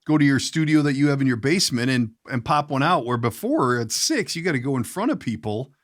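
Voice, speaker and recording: A man's voice: mid-range voice, animated, fast. A man hosting a podcast, asking rambling, folksy questions in casual conversation. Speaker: podcast host, voice actor. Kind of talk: casual interview chat.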